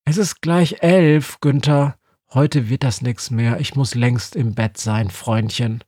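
A man's voice: mid-range voice, steady tone, takes it slowly, warm tone, dry recording, clean studio sound. A man voicing a grumpy, stubborn old female Christmas witch. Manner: cranky, stubborn.

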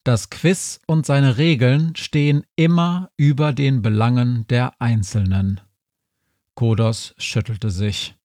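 A man reading a humorous story aloud, lively, putting voices to the characters. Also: mid-range voice, slow, no room sound, clean studio sound. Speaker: narrator.

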